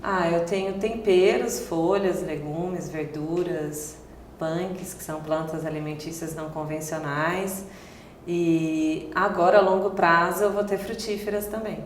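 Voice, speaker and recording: Low-voiced woman, hesitant guest. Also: steady tone, a little slow, roomy sound, slight background noise. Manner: hesitant, searching for words with many fillers. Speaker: restaurant owner, interview guest. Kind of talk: casual interview answers.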